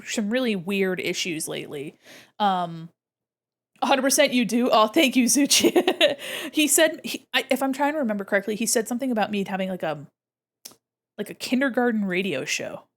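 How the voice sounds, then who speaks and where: Her voice is medium-pitched with lively intonation at a normal speed. She's a young VTuber art streamer chatting casually and playfully with viewers as she draws live, giggling often.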